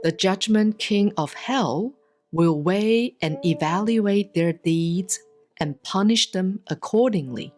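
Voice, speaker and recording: A woman reads a Buddhist sutra aloud in a solemn, scripted style, with measured, deliberate enunciation and long pauses. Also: medium pitch, a little mellow. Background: instrumental music.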